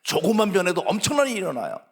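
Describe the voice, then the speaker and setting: A middle-aged male pastor preaching a sermon, dropping to hushed whispers and rising to loud, pleading emphasis. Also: high voice, sing-song, rapid-fire. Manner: acts out parents scolding children. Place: church sanctuary. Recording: long church hall reverb.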